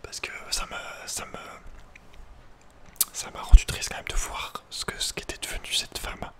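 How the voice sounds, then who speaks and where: Male ASMR host, fully whispered, casual and halting delivery, personal advice chat. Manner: hesitant, halting, informal. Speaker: ASMR video creator and host.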